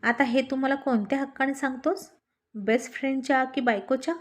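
A woman's voice: fairly high pitch, normal speed, lightly acted. A woman voicing a playful young wife who coaxes and teases her husband. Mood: challenging. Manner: coaxing, teasing.

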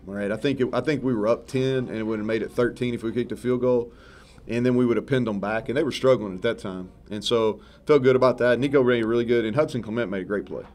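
A head football coach in his thirties talks fast in a mid-range voice during a post-game press conference. He's relaxed and blunt, drifting between points and correcting himself along the way. Several microphones on the table in front of him pick up his voice, with a sponsor backdrop behind.

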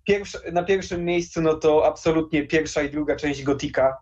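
A man's voice: on the high side, normal speed, a little mellow. A young man chatting casually and enthusiastically as an interview guest on a video call. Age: young adult. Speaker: interview guest, game collector. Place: small room lined with game shelves. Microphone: headset on a video call. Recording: dull lo-fi video call audio.

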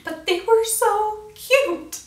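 In a very high voice and at a slow pace, an American woman in her twenties, a vlogger, tells a story to camera. She's chatty and dramatic, acting out quoted reactions. She's indoors in a small, bright room with a bookshelf, and the distant mic picks up a roomy echo.

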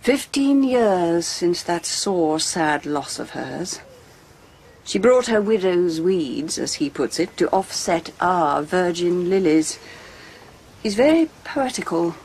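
An actress playing a composed, dryly witty senior nun in a radio drama, with a husky voice and measured authority. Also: female voice, fairly low pitch, expressive, darkish tone, full character voice.

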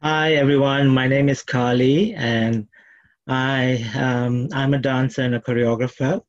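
A middle-aged man from Malaysia, a dancer and choreographer, introducing his work haltingly with many fillers over a video call. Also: mid-range voice, fairly even intonation. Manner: hesitant, many restarts and fillers. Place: plain room at home. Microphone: laptop webcam on video call. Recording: dull lo-fi video call audio.

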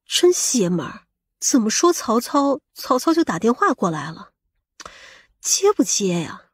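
A woman performs a protective, scheming middle-aged mother in an audiobook drama. Her voice is on the high side and husky, recorded dry. She speaks emphatically, with a scolding, exclamatory edge. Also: very animated, a little slow, no echo, full character voice.

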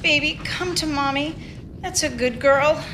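A woman acting an anguished, high-voiced mother. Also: unhurried, sharp tone, a little hiss or hum. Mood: tender, worried. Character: anguished, tender mother and weary wife. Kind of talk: live staged radio play reading.

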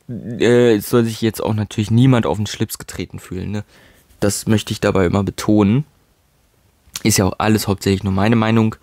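A man's voice: lowish voice, a little mellow, no echo. Man, let's play host, casual commentary, jokey asides, dry close mic. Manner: chatty, reads in-game texts aloud with jokey asides.

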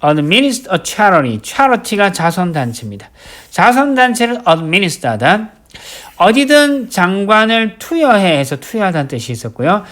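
Male vocab instructor, lively up-and-down delivery, drills each word over and over. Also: high voice. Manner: drills words by slow repetition, writes as he explains. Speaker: English vocabulary teacher. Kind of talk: recorded vocabulary lecture.

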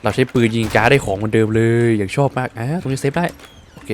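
A man doing casual let's-play commentary, excitable and exclaiming at the action. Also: mid-range voice, quick pace, a little hiss or hum. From Thailand. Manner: excitable, exclaims and swears at the game. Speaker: gaming streamer.

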